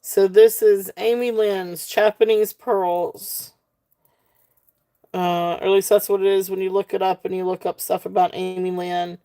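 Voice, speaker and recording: A middle-aged woman with a relaxed Southern drawl runs a live jewelry auction. She talks slowly and casually, filling pauses with ums and little laughs as she describes each piece. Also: medium pitch. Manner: chatty, folksy, with frequent ums and soft laughs. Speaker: live jewelry sale host. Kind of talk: casual live-stream selling.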